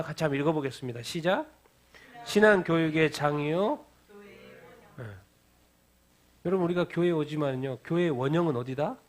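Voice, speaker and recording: A man's voice: fairly high pitch, creaky, darkish tone. A male pastor preaching a midweek sermon, asking the congregation questions, answering them himself, and repeating key phrases for emphasis. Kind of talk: midweek Bible-reading sermon. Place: church sanctuary.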